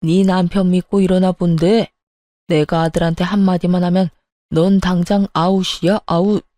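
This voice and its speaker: A woman's voice: on the low side, level tone, moderate pace, warm tone, no echo, close to an everyday voice. A woman voicing a domineering older father-in-law who barks orders at his daughter-in-law. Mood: furious. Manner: stern, barking.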